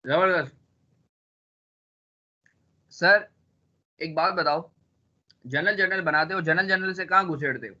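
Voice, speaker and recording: A man's voice: on the high side, a little slow, pauses often, sharp tone, muffled recording. A male accounting teacher with a sore throat, lecturing a class in a teasing way and drilling students with repeated questions.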